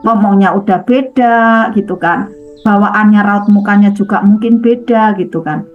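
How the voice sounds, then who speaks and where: A woman's voice: mid-range voice, moderate pace. Chatty middle-aged woman, lo-fi, faint music. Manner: conversational, acts out little quoted dialogues in a softer voice. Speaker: speaker sharing experience in a study group. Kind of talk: casual spoken talk to a group.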